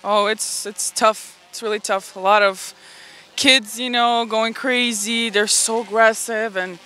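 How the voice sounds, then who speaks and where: A young woman with a bright, sharp tone talks slowly and haltingly. Her answers are hesitant and giggly, given outdoors in a quick chat. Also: on the high side, fairly even intonation, low-quality recording. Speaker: interviewee. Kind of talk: casual chat. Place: outdoors on a grassy field.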